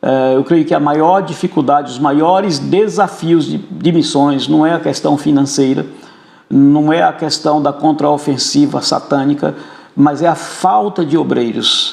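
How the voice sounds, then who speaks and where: Noticeable background noise sits behind the speaker. He is a man with a fairly high pitch and ordinary pitch variation. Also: fairly slow pace. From Brazil, Bahia, raised in Amazonas. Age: 60s. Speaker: pastor and missionary. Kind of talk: exhortation; interview testimony.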